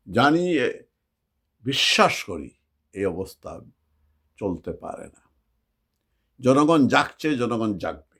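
A man's medium-pitched voice with vocal fry, a bright, sharp tone, very wide pitch swings, and big swings in loudness. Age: 60s. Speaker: political commentator. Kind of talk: political monologue. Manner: impassioned.

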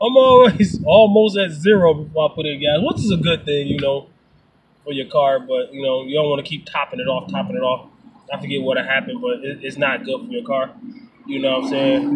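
Noticeable noise in the background accompanies a man who speaks at a fairly brisk clip. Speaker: vlogger. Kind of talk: casual vlog chat. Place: car. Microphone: phone near.

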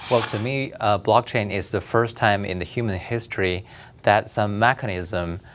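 A man's fairly low voice in a Chinese accent, at a moderate pace with fairly even intonation. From China, Beijing. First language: Mandarin Chinese. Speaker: blockchain entrepreneur; guest. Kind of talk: interview. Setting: studio. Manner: hesitant with many fillers. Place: studio. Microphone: lapel.

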